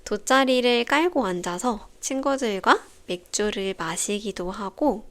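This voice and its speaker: A young woman hosts a Korean-teaching podcast for language learners, explaining things in a calm, clear, scripted way with careful pacing. Her voice is mid-range and a little slow.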